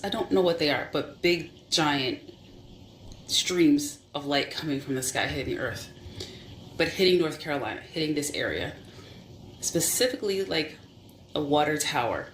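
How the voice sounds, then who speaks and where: A Christian person sharing a vision as a spiritual testimony, halting, searching for words and repeating phrases. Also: mid-range voice, lively intonation. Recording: roomy echo with faint background hum.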